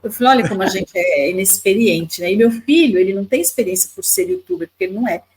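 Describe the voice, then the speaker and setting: In a casual storytelling interview, a fifty-something Brazilian woman who works as a lawyer and YouTuber talks fast with lively intonation, her medium-pitched voice a little mellow. She often repeats words and adds tag questions; the audio quality is poor.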